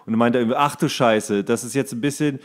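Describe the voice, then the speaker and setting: Male podcast co-host, medium pitch, teasing and colloquial, comedic banter. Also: a little fast. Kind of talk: casual comedic podcast chat.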